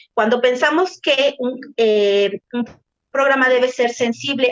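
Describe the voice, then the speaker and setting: A woman talks fairly slowly, her pitch varying in an ordinary way, with a quiet background behind her. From Mexico. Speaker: public health official presenting standards; public presenter. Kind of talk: formal presentation and moderation. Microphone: webcam.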